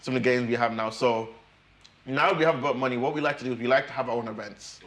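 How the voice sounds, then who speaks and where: A man's voice: mid-range voice, fast, a bit bright. A young man from Ireland, a guest trader chatting casually, laughing often and repeating his phrases. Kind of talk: casual chat. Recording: echoey room.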